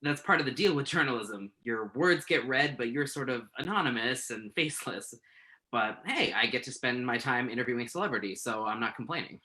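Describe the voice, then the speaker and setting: A bright, forward-sounding male voice at a middle pitch. A man acting as an earnest, slightly nervous magazine journalist in a naturalistic stage play reading. He speaks tentatively and thoughtfully, as in a conversational interview. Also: animated, brisk. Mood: nervous, polite. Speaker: actor in a virtual staged reading.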